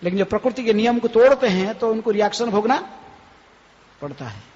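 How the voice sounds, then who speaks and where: A man, a swami, giving a devotional lecture, often tagging his phrases with a questioning "hain?" and chanting scripture verses slowly. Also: sits high, expressive, a little mellow. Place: temple hall. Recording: reverberant hall, dull lo-fi, faint noise.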